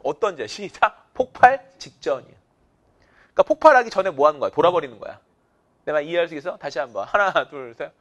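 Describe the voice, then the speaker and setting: A male English teacher giving an energetic vocabulary lecture, counting students in and drilling them with call-and-response cues. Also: fairly high pitch, fairly quick.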